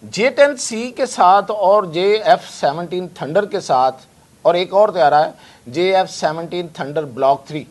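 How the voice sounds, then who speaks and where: Confident man, higher voice. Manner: confident, salesman-like, mixes in English phrases. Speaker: defense analyst guest. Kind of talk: discussion on a news talk show.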